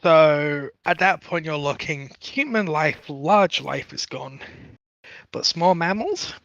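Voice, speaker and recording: A man with a somewhat high voice full of creak and a bright, tense edge. He argues his points assertively in loose, casual live-stream debate. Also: animated, slow, no room sound, lo-fi sound. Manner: assertive, argumentative.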